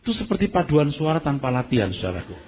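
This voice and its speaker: A pastor with a fairly high voice talks fast in a big, echoing room with slight background noise. He preaches with animated storytelling, acting out screams and sounds in vivid tales and often speaking straight to the congregation.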